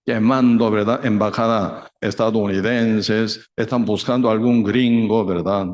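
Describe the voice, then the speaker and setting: A middle-aged man with a Korean accent preaching a sermon in simple, broken Spanish, often adding tag questions and acting out scenes loudly. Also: fairly low pitch, fairly even intonation, unhurried. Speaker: pastor.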